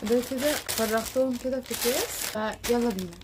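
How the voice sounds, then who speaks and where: A woman with an Egyptian Arabic accent talks fast and high while she vlogs outdoors. She chats and coaxes in a teasing way. Heavy street traffic noise runs behind her voice on a phone recording. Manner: chatty, coaxing and teasing. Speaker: vlogger. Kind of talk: casual vlog narration and talking to street animals.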